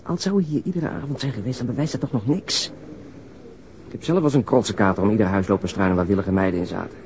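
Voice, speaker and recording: An actor playing a blunt, impatient police detective in a radio drama, speaking in a gruff, colloquial way. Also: male voice, on the low side, fast, darkish tone, a little hiss or hum, lightly acted. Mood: irritated.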